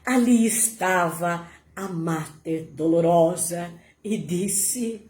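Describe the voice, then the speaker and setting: Woman, devotional storyteller, emotional, mellow, roomy echo. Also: lowish voice. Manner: slow, dramatic, emotional telling.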